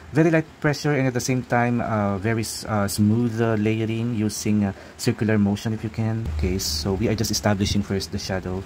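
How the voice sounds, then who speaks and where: Filipino-accented man, lowish voice, halting tutorial talk, noisy background hum. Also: a little mellow. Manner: halting, many fillers and restarts. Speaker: art tutor. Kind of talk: real-time drawing tutorial narration.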